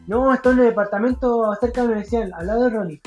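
Un hombre joven con acento chileno que cuenta una anécdota entre amigos, con mucha jerga y voces imitadas. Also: male voice, very high voice, rapid-fire, dull audio, soft background music. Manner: animated, acts out quoted voices, heavy slang. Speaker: storyteller among friends. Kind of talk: casual chat.

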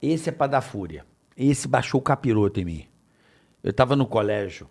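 A man's voice: mid-range voice, animated, moderate pace, gravelly, darkish tone. A father in casual chat, emphatic and profane, firing rhetorical questions while telling a story.

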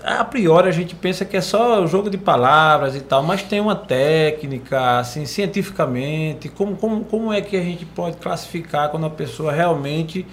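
Man, podcast host, agreeable, keeps saying he understands, a bit higher voice, faint noise. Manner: agreeable, says "entendi" often. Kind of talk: casual interview.

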